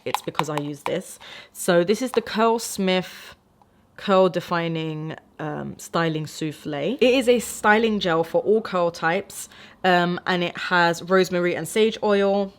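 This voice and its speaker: A young woman talks straight to the camera in a relaxed beauty-review vlog. Her voice sits a little low for a woman. She rambles in a friendly way, filling pauses with "um" and "like". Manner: chatty, many fillers like "um" and "like". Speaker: beauty vlogger. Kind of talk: casual beauty product review.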